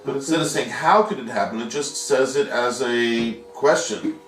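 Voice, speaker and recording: A man's voice: medium pitch, normal speed, a bit bright, faint music behind. A man teaching a Talmud study lesson, patiently explaining step by step and posing rhetorical questions. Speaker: yeshiva teacher. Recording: echoey room, mic at a distance.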